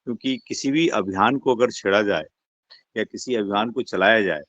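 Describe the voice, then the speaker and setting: A man addressing an online meeting over a phone or call line. He speaks formally and measuredly, pausing often with drawn-out fillers. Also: fairly low pitch, fairly bright tone, no echo. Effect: heard over a phone or online call line. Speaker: meeting participant. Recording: dull, lo-fi, dry call audio.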